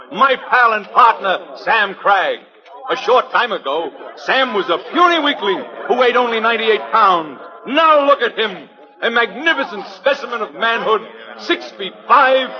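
An actor playing a wisecracking male street pitchman with brash showman patter, in 1940s radio acting. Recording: dull old radio recording with studio crowd.

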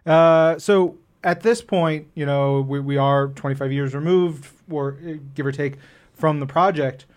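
A man's voice: fairly high pitch, measured pace, clean tone. A man hosting a casual, chatty interview in an enthusiastic, effusive way. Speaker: interview host.

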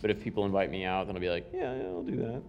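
A man's voice: low voice, animated, rapid-fire, lo-fi sound, a little hiss or hum. A man co-hosting a live podcast, talking in a loose, jokey, candid way. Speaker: podcast co-host. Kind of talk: casual chat before a live audience.

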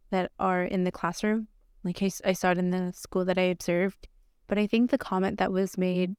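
A woman's voice: mid-range voice, darkish tone, clean tone, no room sound, studio quality. A young woman teacher from Atlanta whose first language is Spanish, speaking thoughtfully in an interview with frequent ums and likes. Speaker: art teacher. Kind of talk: reflective podcast interview.

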